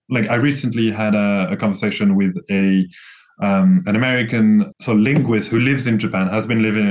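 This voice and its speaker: Casually chatting as a guest, a young man from France rambles along in a French accent, restarting often and leaning on fillers. He has a lowish, slightly mellow voice.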